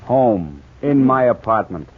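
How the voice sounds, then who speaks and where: Sneering gangster, tinny radio sound. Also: male voice, fairly low pitch, sing-song, slow pace, heavily acted. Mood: cocky. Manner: slangy, curt, dismissive. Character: sneering, cocky tough gangster husband. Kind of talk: 1940s radio detective drama acting. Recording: narrow, tinny old radio recording.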